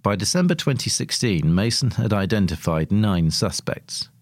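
A man's voice: on the low side, expressive, normal speed, dry recording, clean studio sound. A man reading a scripted long-form article as narrator.

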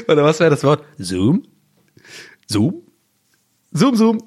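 A man's voice: on the high side, breathy edge. A young man hosting a solo podcast, rambling playfully and mocking himself. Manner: playful, self-mocking, acts out sketches. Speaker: podcast host.

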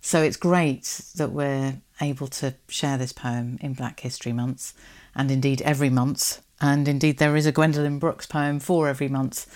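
A woman's voice: rumbling low, steady tone, normal speed, a little mellow. A woman hosting a podcast, talking conversationally and explaining things. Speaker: podcast host. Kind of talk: conversational interview and discussion.

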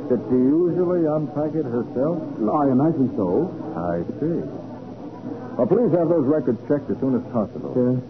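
An actor playing a brisk, commanding private detective in a 1940s radio drama. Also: male voice, medium pitch, animated, a crowd in the background, close to an everyday voice. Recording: tinny old radio broadcast with hiss.

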